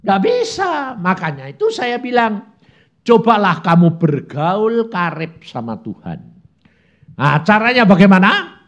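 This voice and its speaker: A man's voice: high voice, sing-song, dull audio. A man preaching a conversational sermon, asking rhetorical questions and acting out little prayers and objections. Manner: acts out prayers and objections in quick asides.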